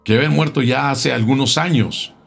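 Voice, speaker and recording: A man telling a local tale in a casual, unhurried way, often repeating words as he goes. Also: medium pitch, vocal fry, breathy edge, faint music behind. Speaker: storyteller.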